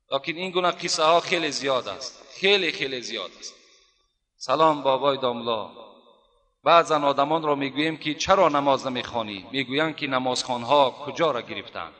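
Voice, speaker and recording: A man preaching a storytelling sermon, speaking to his listeners as dear brothers and slowing down to recite Arabic phrases. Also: medium pitch, bright, forceful tone. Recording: long hall reverb.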